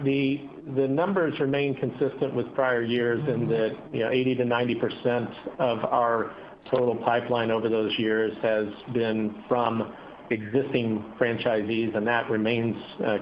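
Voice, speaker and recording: A man speaking as a company executive, answering analysts on an earnings call in measured corporate phrasing with hesitant pauses. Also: medium pitch. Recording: dull, noisy conference call audio.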